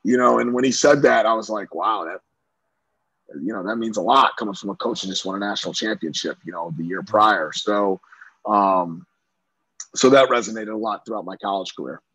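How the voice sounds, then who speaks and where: Man from central new york, lacrosse coach, husky voice, dry sound. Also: fairly low pitch, moderate pace, a bit bright, no room sound, low-quality recording. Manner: talkative, many fillers and restarts. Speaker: lacrosse coach, interview guest. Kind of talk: casual interview chat.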